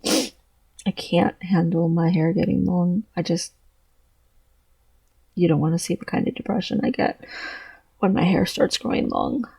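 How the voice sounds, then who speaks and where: A trans man talking through his thoughts in a personal vlog, halting and earnest, with a voice he describes as deeper than most girls'. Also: fairly even intonation, darkish tone, dry recording, rough recording. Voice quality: low voice with gravelly fry. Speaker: vlogger.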